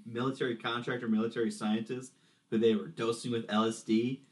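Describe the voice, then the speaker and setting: A man co-hosting a podcast in casual chat, animated, swearing and laughing often. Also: mid-range voice, brisk. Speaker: podcast co-host.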